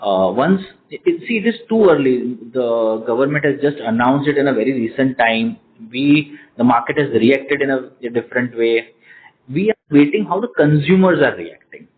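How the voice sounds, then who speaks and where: A man's voice: mid-range voice, expressive, normal speed, narrow, tinny audio. A man with an Indian accent answering investor questions as a company executive, hesitant and often repeating words and phrases, over a phone conference line. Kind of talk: earnings call question and answer.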